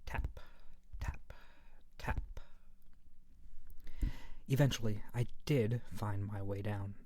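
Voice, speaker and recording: A man voicing a friendly, sheepish monster under the bed in a soft, breathy ASMR roleplay, gentle and playful, often near a whisper, very close to the mic. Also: lowish voice, steady tone, slow pace, no room sound. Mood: hushed storytelling.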